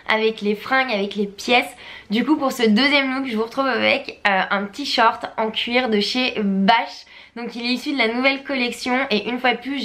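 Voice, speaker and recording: A young woman talks through a fashion vlog in an upbeat, chatty way, her voice sitting a little high. A cold leaves her nasal and stuffy, and she leans on plenty of fillers as she goes. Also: fairly bright tone. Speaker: fashion vlogger.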